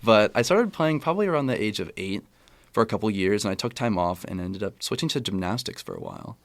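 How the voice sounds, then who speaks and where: Fast-talking, low-voiced young American man. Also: huge pitch swings, gravelly, no room sound. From California, USA. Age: young adult, about 20. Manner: conversational, rambling, self-correcting. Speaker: college tennis player, interview guest. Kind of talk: casual podcast interview.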